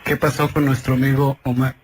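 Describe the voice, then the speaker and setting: A man's voice: medium pitch, level tone, quick pace. A man hosting a live radio call-in, speaking politely but firmly in a replayed broadcast recording. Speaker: radio host taking a paranormal call. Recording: replayed radio call with faint noise and clicks.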